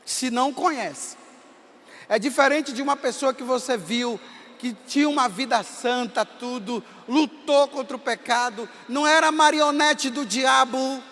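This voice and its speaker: A Brazilian priest in his fifties with a Bahia accent, telling stories in a sermon and rising to impassioned shouts. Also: extremely high pitch, a little slow, a little hiss or hum. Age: 50s. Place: large hall at a camp gathering. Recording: long reverb of a large hall.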